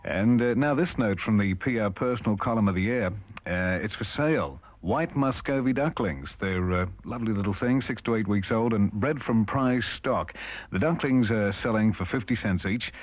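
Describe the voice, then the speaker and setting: A man's voice: fairly low pitch, normal speed, no room sound, highs cut off. A man doing casual, ad-libbed radio announcing on a 1970s aircheck.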